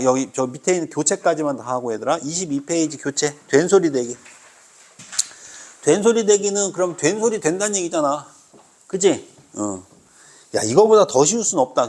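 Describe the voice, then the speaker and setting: A man's voice: fairly high pitch, a little mellow. A man teaching a grammar class to students in a classroom, quizzing them constantly and mock-scolding them in a teasing way. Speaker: Korean language teacher.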